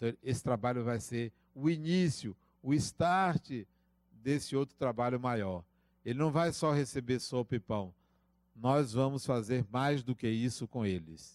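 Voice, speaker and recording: In a very clean recording with a silent background, a plain, everyday voice talks at a fairly slow pace with ordinary pitch variation. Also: man, medium pitch for a man. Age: 60s. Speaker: spiritist lecturer. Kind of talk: lecture with announcements. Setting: auditorium with live audience. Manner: conversational, addresses audience directly.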